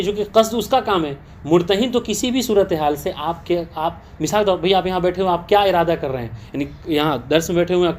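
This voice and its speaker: A man's voice: a little high, darkish tone, a little hiss or hum. A man teaching a class on religious law, explaining a text and often checking with rhetorical questions that the students follow. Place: teaching session with students present.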